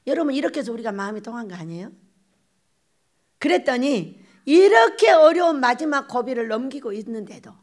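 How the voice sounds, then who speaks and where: An older woman pastor preaching a lively storytelling sermon, acting out little exchanges and laughing as she goes. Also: high-pitched. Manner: animated, acts out quoted exchanges, laughs often. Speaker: pastor, head of a prayer retreat.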